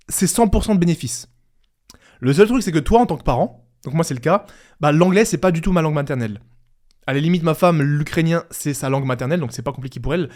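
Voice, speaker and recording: Chatty young French-speaking father, higher voice. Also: a little mellow. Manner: chatty, conversational, frequent fillers and restarts. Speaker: podcast host. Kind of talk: casual solo podcast advice.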